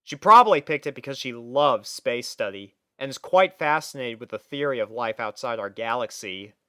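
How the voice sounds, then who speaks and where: A man narrating a first-person story from a script in an expressive storytelling manner. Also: medium pitch, normal speed, clear, resonant tone, no echo, studio quality.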